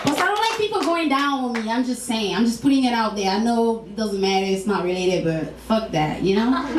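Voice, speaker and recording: Woman comic, french speaker, lively highish voice, casual and sweary, echoey noisy room. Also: a little slow. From Cameroon. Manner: chuckles through her talk, casual and profane. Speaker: stand-up comedian. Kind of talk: stand-up comedy to an audience. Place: live talk show stage. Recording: roomy, distant, noisy live venue.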